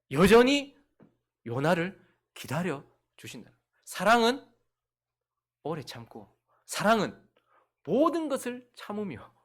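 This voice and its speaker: A male pastor preaching a sermon. He swings between loud outbursts and hushed whispers. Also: high voice.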